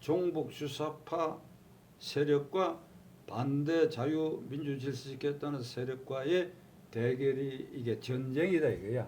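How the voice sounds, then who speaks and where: A man speaks at a very slow pace with fairly even intonation. His pitch is fairly high. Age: 80s+. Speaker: former politician. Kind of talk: interview answer.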